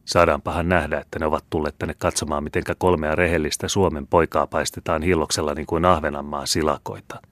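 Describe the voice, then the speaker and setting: A man's voice: very deep voice, flat delivery, hardly any pauses, no room sound. A man voicing a stout, blustering old army captain who curses and grumbles. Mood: grumbling. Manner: gruff, cursing, boisterous.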